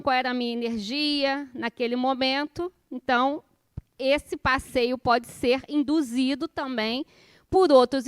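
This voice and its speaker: A woman in her forties from Rio de Janeiro, Brazil, with a Rio accent, informally teaches a spiritist course in a conversational, colloquial way full of personal stories. She keeps addressing listeners with questions and small checks for agreement. Her high, fairly bright voice is recorded dry and close, with very little room sound.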